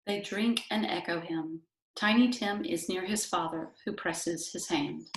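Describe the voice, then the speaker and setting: Slow, low-voiced woman narrator. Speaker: narrator, library staff. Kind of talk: scripted narration, reading stage directions. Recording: echoey room with background noise, clicks.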